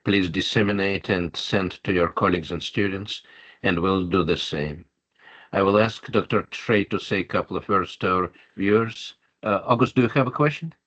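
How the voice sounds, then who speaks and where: A man moderating an online discussion, measured and polite as he thanks the speaker. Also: deep voice, fairly bright tone, slightly rough. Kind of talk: formal thanks and closing remarks. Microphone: video call. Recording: muffled online call audio.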